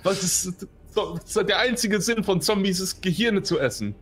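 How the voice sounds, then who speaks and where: A man's voice: sits high, animated, moderate pace, a bit bright, soft background music. A man voicing a suspicious, confused teenage boy who questions nervously. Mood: wary.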